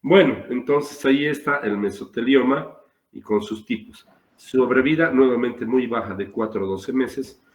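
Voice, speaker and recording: A man giving an online surgery lecture with a sore throat, coughing and explaining slowly with pauses over a video call. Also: mid-range voice. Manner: slow, repetitive explaining with pauses. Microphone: computer mic on a video call. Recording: roomy video call audio.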